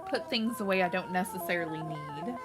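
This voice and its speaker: A woman chatting casually with her live-stream viewers as she plays, friendly and quick to laugh, her voice a little nasal from a cold. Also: fairly low pitch, lively intonation. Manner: chatty, friendly, thanks chat often, laughs a lot. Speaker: game streamer. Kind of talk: casual live-stream chat while playing. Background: loud game music.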